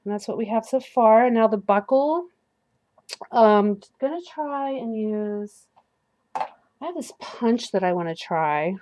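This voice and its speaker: Her pitch sits fairly high, the intonation lively and the pace a little slow, with a darkish tone and a faint hiss or hum in the audio. She's a crafting host getting over the flu, talking herself through a paper craft at her work table and laughing whenever she slips. An overhead camera above the table does the recording.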